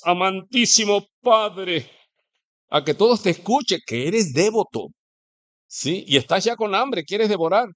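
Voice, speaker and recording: A man with a Mexican Spanish accent preaching a sermon in a church, talking conversationally and posing rhetorical questions to the congregation. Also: a little high.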